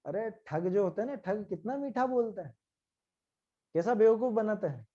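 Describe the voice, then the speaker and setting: A man's voice: sits high, expressive, moderate pace, warm tone, highs cut off. A man giving a Hindi scripture lecture, conversational, full of rhetorical questions and acted-out quotes. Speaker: Jain scripture teacher.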